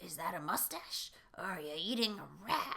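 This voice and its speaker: In a put-on character voice, a female-sounding speaker growls at a middle pitch. The voice is raspy and moves at a moderate pace. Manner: insulting, menacing.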